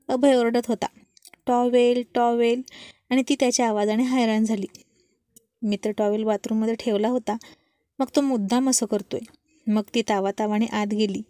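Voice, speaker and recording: Woman, storybook narrator, expressive read-aloud, mellow voice, dry close sound. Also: a little high, no room sound.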